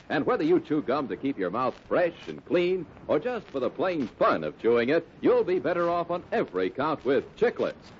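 A male announcer reads old-time radio ads with a punchy, rhythmic sales delivery. His pitch is a little high and swings widely. The 1950s recording is dull and faintly noisy. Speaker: commercial announcer. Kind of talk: 1950s radio advertising read.

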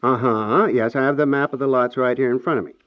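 A man's voice: mid-range voice, steady tone, quick pace, no echo, close to an everyday voice. An American man acting a polite, reasonable, dryly frank house planner in a 1950s radio comedy. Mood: businesslike. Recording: dull 1950s radio recording.

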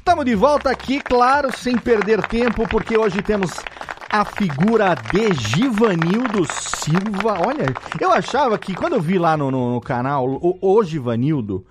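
A man with a Brazilian Portuguese accent hosting a podcast in a lively, joking casual chat. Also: high voice, a little slow, background noise. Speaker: podcast host.

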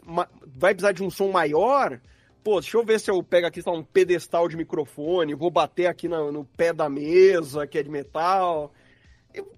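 A man's voice: high-pitched, no echo. A man with a Brazilian accent talking casually as a guest sound designer, explaining his craft and acting out his thought process. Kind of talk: casual interview chat about craft.

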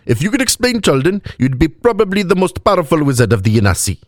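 A man voicing a friendly, forthright tavern woman with an invented accent of deep vowels and sharp consonants. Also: very animated, fast talker, no room sound, studio quality. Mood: friendly, firm. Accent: invented fantasy accent with deep vowels, sharp consonants. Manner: firm, friendly.

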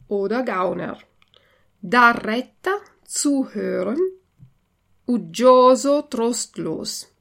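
Slow, gravelly woman reading aloud. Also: a little high. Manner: slow, clear, deliberate reading. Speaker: reader and language teacher. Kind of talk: storybook reading, then vocabulary list.

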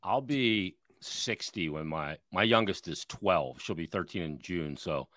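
50s dude co-hosting, sharp bright voice, sarcastic, dry mic. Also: male voice, low-pitched, lively intonation, unhurried, no echo. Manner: sarcastic, joking. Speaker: co-host. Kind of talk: casual podcast chat.

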